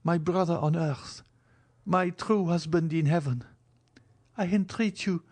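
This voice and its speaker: A man's voice: on the high side, measured pace, a little mellow, voice pushed up. A man voicing a devoted, anguished young woman who pleads tearfully in an audiobook reading. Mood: impassioned.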